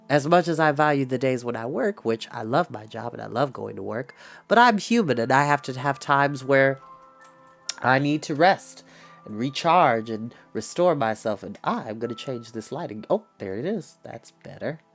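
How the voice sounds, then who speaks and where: Animated storytime man over background music. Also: medium pitch. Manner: theatrical, animated, exuberant. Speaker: storytime host reading books aloud. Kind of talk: chatty personal introduction to a storytime show. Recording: music behind the voice. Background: background ambience music.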